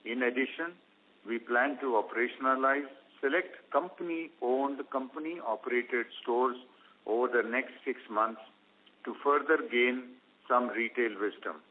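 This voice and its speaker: A man with an Indian accent reads a scripted earnings presentation as a company executive, in a formal, measured way, phrase by phrase. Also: mid-range voice. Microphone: conference call line. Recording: phone-like, narrow-band conference call line.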